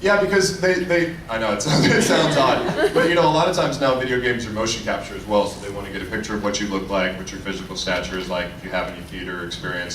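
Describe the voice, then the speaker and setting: A man speaking casually as a voice actor on a panel, telling anecdotes and giving advice in an animated way. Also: low-pitched. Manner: animated storyteller who acts out quoted lines. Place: convention panel room. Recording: echoey room, distant mic, clear background noise.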